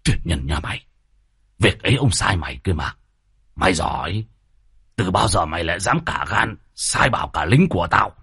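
Man doing a gruff, bullying old village tyrant, very deep voice, dry close sound. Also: expressive, moderate pace, long pauses, no echo, heavily acted. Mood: menacing. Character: domineering older male village chief tyrant.

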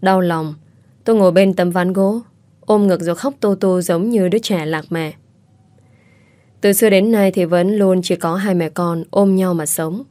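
A woman reading a first-person story aloud in a calm, reflective, steady manner. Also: fairly low pitch, dry recording. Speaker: audiobook narrator.

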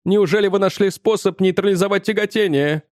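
A shrill, high-strung older male professor who keeps accusing and insisting, his voice pushed up high, as a male audiobook narrator puts him on. The recording is dry and close, with no room sound. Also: brisk, darkish tone, dry recording, natural voice. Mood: urgent. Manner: accusing, insistent, increasingly frantic.

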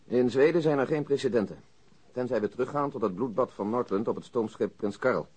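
An actor playing a methodical male police detective in a radio drama, matter-of-fact and measured, as if reciting a report. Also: medium pitch, darkish tone, slightly rough, natural voice, poor audio. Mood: dry, factual. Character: methodical, dry police detective with an exact memory.

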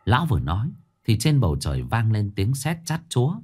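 A man narrating a ghost story, voicing the characters with lively delivery. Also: fairly low pitch, fairly quick, a little hiss or hum. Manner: lively, animated telling with voiced dialogue.

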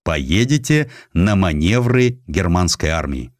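A man's voice: deep voice, sing-song, a little slow, no echo, studio quality. A man playing a commanding, bluntly critical older Russian emperor in a dramatized audiobook. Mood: curt, businesslike.

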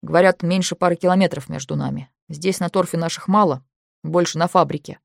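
A woman voicing a calm young man acting as interpreter, speaking in a steady, reassuring, matter-of-fact way. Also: fairly low pitch, brisk, creaky, dry recording, clean studio sound. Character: calm young man, tall and thin, quick-witted interpreter.

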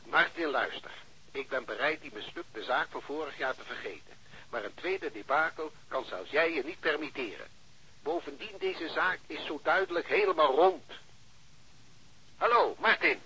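A bullying police chief in a radio drama. The voice is very raspy, forceful and a little high for a man. He hectors impatiently and insistently. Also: lively intonation, moderate pace, exaggerated voice, low-quality recording. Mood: threatening. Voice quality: raspy, sharp. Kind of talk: Dutch radio drama acting.

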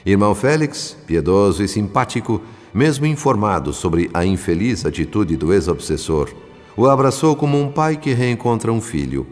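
A man plays a solemn spirit narrator in a radio drama. His low voice recounts events in measured, literary phrases, in long reverb with faint music behind. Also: animated, natural voice. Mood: solemn, tender.

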